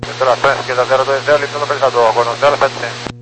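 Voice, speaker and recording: A man's voice: mid-range voice, level tone, very fast. Brazilian male pilot over noisy radio. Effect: radio transmission. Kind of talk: terse aviation radio readbacks. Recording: noisy humming aircraft radio channel.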